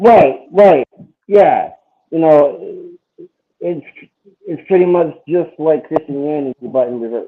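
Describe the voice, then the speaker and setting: Speaking at a very slow pace with long, frequent pauses, a man with an American accent uses a high pitch, ordinary pitch variation, and big swings in loudness. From upstate New York, near Syracuse. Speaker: rapper. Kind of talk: casual chat.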